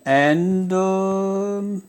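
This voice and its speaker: Male gear demonstrator for a casual how-to video, halting and hesitant, thinking aloud between pauses, music behind. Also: sits high, a little mellow, smooth. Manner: halting, hesitant delivery with many filled pauses. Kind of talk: casual tutorial talk.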